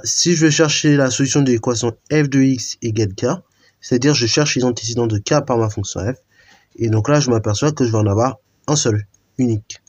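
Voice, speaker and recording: A man's voice: medium pitch, a little mellow. A man teaching a math lesson in an informal way, with many fillers and restarts while he explains a theorem.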